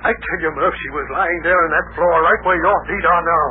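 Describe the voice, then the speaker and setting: An actor playing a jumpy, insistent retired adventurer who protests in emphatic bursts, in 1940s radio acting style. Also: male voice, a little high, fairly even intonation, brisk, natural voice. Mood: weary. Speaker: lead in a radio play. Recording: tinny old radio broadcast, faint hiss.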